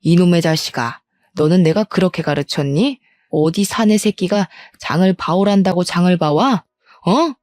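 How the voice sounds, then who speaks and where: A woman's voice: fairly low pitch, moderate pace, a little mellow, no room sound, lightly acted. A woman voicing a nagging, scornful older mother-in-law who scolds sharply and talks down to her daughter-in-law. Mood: scolding. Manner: scolding, contemptuous.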